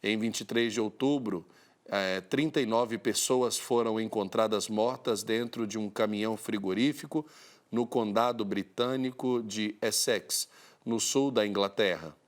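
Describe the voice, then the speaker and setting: A man's voice: fairly low pitch, measured pace. Man reading Catholic news on TV. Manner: steady formal newsreader delivery. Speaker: priest and TV program host.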